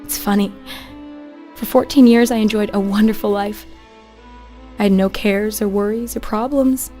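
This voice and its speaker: A young woman playing a grieving Jewish ghetto prisoner, narrating her memories in a measured, sombre, reflective way. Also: mid-range voice, steady tone, warm tone, natural voice. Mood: grieving, bitter. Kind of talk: scripted dramatic first-person narration. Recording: music behind the voice.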